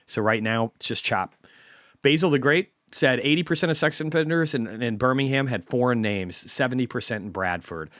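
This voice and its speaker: Male stream host, blunt profane rant, mid-pitched voice, dry close sound. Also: normal speed, a bit bright, no room sound. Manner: blunt, heavily profane, ranting. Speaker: host of a market commentary stream. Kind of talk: unscripted ranting commentary.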